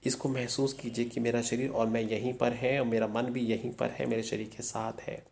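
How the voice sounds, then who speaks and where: A man who teaches meditation, explaining a practice step by step in a calm manner and often checking that the listener is following. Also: medium pitch, normal speed, vocal fry. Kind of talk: instructional talk on meditation.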